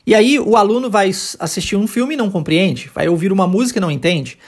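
A Brazilian language teacher hosts an informal audio lesson at a middling pitch. The delivery is conversational and emphatic, explaining things plainly and often checking in with short tag questions. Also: fast. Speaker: English teacher and podcast host.

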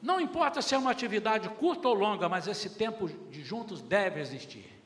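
A man's voice: high voice, expressive, brisk, a bit bright. A middle-aged man preaching a sermon as pastor, addressing the congregation and acting out little family dialogues. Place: church hall. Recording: echoey hall with faint room noise.

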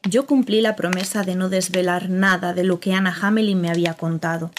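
A woman narrating a radio drama in the first person as a journalist, in a reflective, quietly bitter way. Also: on the low side, fairly even intonation, a little fast, a little hiss or hum, natural voice.

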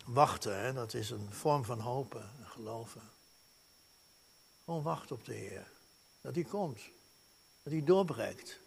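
A male pastor preaching a sermon, earnest, with wide swings from loud to hushed and frequent tag questions. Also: medium pitch, expressive, unhurried, vocal fry, pauses often, slightly rough.

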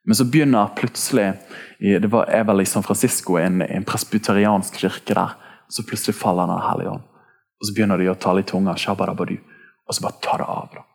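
Gravelly, casual preaching man. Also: on the low side. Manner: casual, energetic preaching with slang. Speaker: pastor. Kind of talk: sermon.

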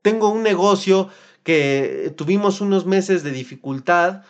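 A young adult man with a Mexican accent giving a motivational self-help talk, animated and mimicking whiny complaining voices now and then. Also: high voice, unhurried, muffled recording.

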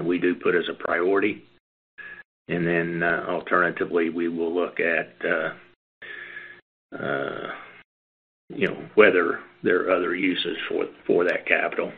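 A man speaking as a company executive, answering questions on an earnings call in a measured, halting way over a phone line. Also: sits low, creaky, husky. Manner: measured, halting, hedging phrasing. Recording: band-limited phone conference line.

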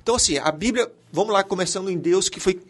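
A man's voice: high voice, fast talker, fairly bright tone. A man with a Brazilian accent teaching on faith emphatically in a Christian talk. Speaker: teacher and co-host.

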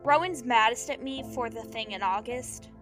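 A woman acting a guilt-ridden, blunt young runaway with powers in a naturalistic audio drama, talking in a halting, slangy, confessional way. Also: a little high, natural voice. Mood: guilty confession. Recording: music behind the dialogue. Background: music.

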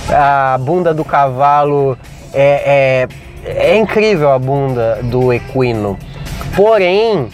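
High-voiced man rambling from his car. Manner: rambling, jokey, narrating what he sees. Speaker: podcast host. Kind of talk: casual rambling monologue. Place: inside a car with windows closed.

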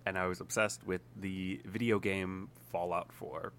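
A young man, a guest on a casual podcast, telling animated stories and laughing often. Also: low-pitched, measured pace, a little hiss or hum. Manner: animated storytelling with frequent laughs. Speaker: guest YouTuber.

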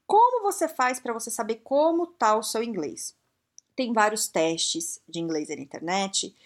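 A woman from Brazil giving frank, blunt career advice straight to the viewer, full of rhetorical questions. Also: medium pitch. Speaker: career and English-learning advice speaker. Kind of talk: casual direct-to-viewer advice talk.

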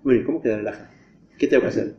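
A male teacher leads a classroom lesson, explaining ideas step by step and throwing questions to the class. His voice sits at an ordinary middle pitch. The recording is dull and lo-fi, with a roomy echo. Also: very fast. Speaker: religion teacher. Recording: echoey, dull lo-fi room recording.

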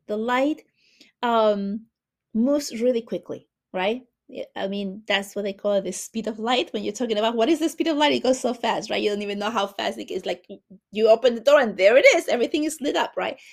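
A woman from Chile hosting a spiritual podcast, talking in a soft, reverent way and drawing out her words. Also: a little high. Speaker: podcast host, spiritual healer.

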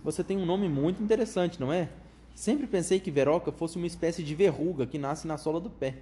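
A man voicing an eccentric, excitable chocolate factory owner with a high, flute-like voice who gushes out strings of welcomes. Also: lightly acted. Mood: gushing. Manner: gushing, rapid strings of enthusiastic welcomes.

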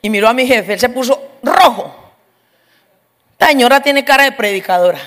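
This is a humorous testimony preached by a middle-aged woman, her voice high and her speed normal. With animated energy, she tells the tale and acts out how each person in it sounded.

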